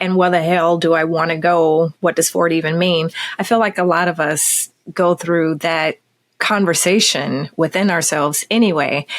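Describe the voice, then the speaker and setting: In a very clean recording with a silent background, a woman with an ordinary speaking voice, fairly low in pitch, talks at a fairly slow pace with fairly even intonation. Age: 40s. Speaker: portrait photographer. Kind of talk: podcast interview.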